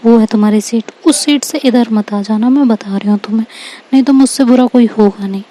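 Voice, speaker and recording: An irritable, easily flustered schoolgirl, acted out by a woman narrator in a told story. Her voice is fairly high and soft-edged, and she shifts between indignant scolding and anxious pleading. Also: fairly quick, natural voice. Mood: stern warning. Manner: scolding, indignant, turning pleading when cornered. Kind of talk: Hindi audio storytelling dialogue.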